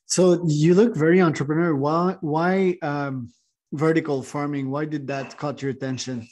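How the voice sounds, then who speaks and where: A man's voice: on the high side, steady tone, moderate pace, darkish tone. A man hosting a podcast, asking questions in a loose, informal, upbeat way. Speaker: podcast host. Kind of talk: casual podcast interview.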